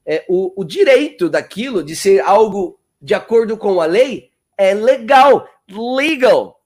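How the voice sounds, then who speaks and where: A man teaching English on a live stream, chatty and coaxing, repeating words slowly to model pronunciation and calling out viewers' names. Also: high voice, big pitch swings, a little mellow.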